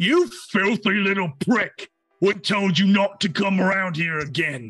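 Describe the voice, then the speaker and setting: A man's raspy, high-pitched put-on character voice at a fairly slow pace, with music in the background. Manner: angry, shouting.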